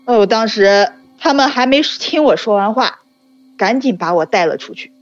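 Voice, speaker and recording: A woman casually telling a childhood story, acting out the dialogue in quick bursts. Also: fairly high pitch, lively intonation, highs cut off, faint music behind.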